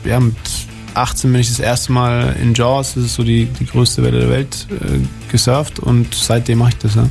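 A young man from Franconia, a big wave surfer, answering radio interview questions with many pauses, fillers and restarts. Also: mid-range voice, flat delivery, creaky, a little mellow, faint music behind. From Germany (Franconia, Nuremberg).

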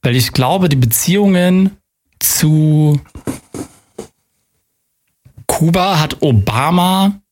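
A man's voice: a little high, lively intonation, very slow, pauses often, a little mellow, a little hiss or hum. A man on a quiz podcast, thinking aloud through answers with dry wit and frequent laughter. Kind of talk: casual quiz chat.

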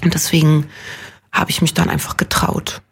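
Husky-voiced woman musing in an interview. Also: deep voice, very animated, moderate pace. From Munich, Germany. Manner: reflective and self-deprecating, rambling with many fillers. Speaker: actress and guest. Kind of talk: casual conversational interview.

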